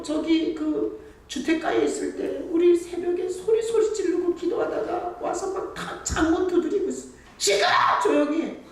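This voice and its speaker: A woman's voice: high-pitched, a little mellow. A woman pastor preaching a sermon in a conversational, emphatic way, speaking in a church sanctuary. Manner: conversational and emphatic, acting out prayers and quotes. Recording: very echoey, distant church recording.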